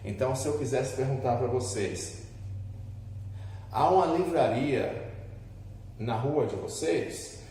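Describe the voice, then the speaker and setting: A Brazilian teacher, speaking English with a Brazilian Portuguese accent, leads a lesson at the board, carefully breaking down each point and regularly making sure his students understand. His mid-range voice is mellow and unhurried, with frequent pauses. Recorded in an echoing classroom from far away, the audio carries a faint hiss or hum.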